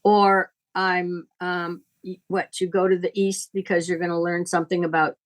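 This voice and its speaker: Older female astrologer-teacher, lower register, unscripted, direct and probing. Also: flat delivery, moderate pace.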